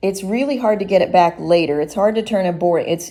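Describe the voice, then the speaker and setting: A woman's medium-pitched voice has a dark, mellow tone and ordinary pitch variation. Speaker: painter. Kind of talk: tutorial. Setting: studio. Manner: halting, with fillers.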